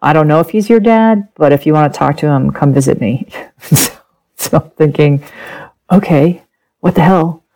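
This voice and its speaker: A middle-aged woman whose first language is German, a podcast guest telling a personal story with lively laughter and acted-out quotes. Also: low-pitched, moderate pace, low-quality recording. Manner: animated, laughs often, acts out quoted speech.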